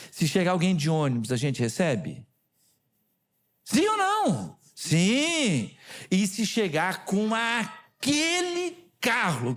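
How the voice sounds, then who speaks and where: A man with a Brazilian Portuguese accent preaching a sermon as a pastor, who puts questions to the congregation and retells conversations. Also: on the high side. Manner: animated, quizzes the congregation with questions. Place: church sanctuary.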